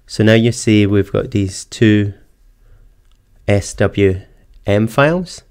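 A man narrating a screen-recorded computer tutorial, calmly explaining each step in order. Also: lowish voice, slow pace, smooth. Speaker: tech tutorial presenter. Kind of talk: screen-recorded software walkthrough. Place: voice-over for screen capture.

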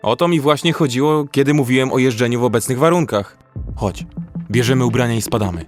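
A man playing a practical, brisk survivor in acted dialogue from a horror audio drama. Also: mid-range voice, lightly acted. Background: faint music.

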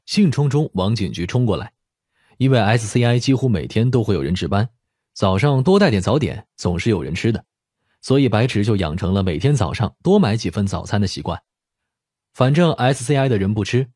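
Lively husky male audiobook narrator. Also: medium pitch, brisk, no echo, studio quality. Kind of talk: scripted story narration.

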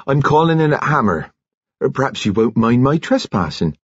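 A man's voice: medium pitch, big pitch swings, moderate pace, slightly rough, dry recording, muffled recording, pitched above the performer's own voice. A man voicing a cheery, no-nonsense village nurse, a woman, in a storybook, with a comfortable, chatty manner. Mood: brisk, chatty. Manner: bright, comfortable, professionally chatty.

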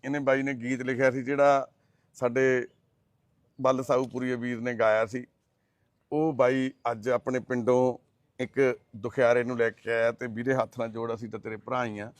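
A man's voice: mid-range voice, little pitch movement, normal speed, dry recording. Earnest man making a charity appeal. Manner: earnest, gently consoling, explanatory. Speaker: charity volunteer presenting a case. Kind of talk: heartfelt appeal and on-site interview.

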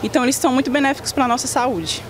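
A woman's voice: high voice, very fast, a little hiss or hum. A young woman nutritionist explaining carefully into a handheld mic. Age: young adult. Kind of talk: expert explanation. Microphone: handheld reporter mic.

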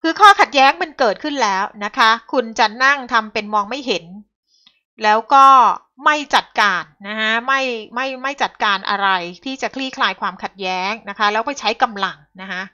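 A woman's voice: fairly high pitch, fairly quick, pushed and bright, lo-fi sound. A woman commenting on the news in a talk show, polite at first and growing heated and emphatic.

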